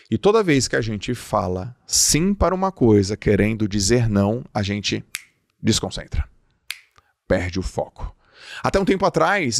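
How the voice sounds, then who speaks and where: Brazilian male podcast host, gravelly voice, dry close studio sound, emphatic motivational delivery. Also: mid-range voice, no room sound. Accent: Brazilian Portuguese. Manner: emphatic, acts out quoted dialogue. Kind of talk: motivational talk.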